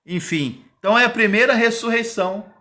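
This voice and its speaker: A man's voice: high voice, brisk, pushed and bright. A man in his fifties giving an informal Bible teaching, emphatic and repetitive, often digressing and adding tag questions. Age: 50s.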